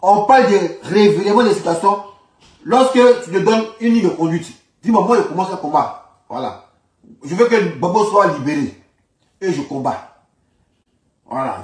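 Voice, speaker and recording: High-voiced Ivorian man, echoey and distant. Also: lively intonation, normal speed. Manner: insistent, repeats phrases for emphasis, rhetorical questions. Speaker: political commentator. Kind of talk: informal spoken political monologue in reply to a speech. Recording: roomy echo, distant microphone.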